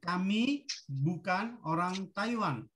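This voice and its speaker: A woman teaching a language, reading short model sentences in a deliberate, instructional manner for repetition. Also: fairly low pitch, expressive.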